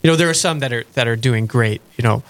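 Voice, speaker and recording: A man's voice: mid-range voice, fast. A man hosting a Catholic radio talk show, chatting casually with a guest and laughing easily at himself. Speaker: radio host. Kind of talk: casual faith radio chat.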